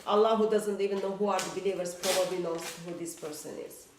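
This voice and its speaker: Lady making her case slowly on a panel, faint hiss, sounds far from mic. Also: lowish voice, fairly even intonation. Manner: measured, deliberate, argumentative. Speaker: panel guest. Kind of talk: prepared argument. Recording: roomy, distant mic, faint noise.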